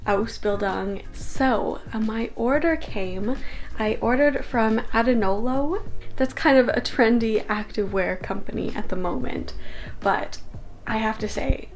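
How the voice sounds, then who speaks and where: Chatty young woman with a gravelly edge. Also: medium pitch, rough recording. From Canada. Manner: chatty, filler-heavy with many "like"s. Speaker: vlogger. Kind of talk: casual day-in-the-life vlog.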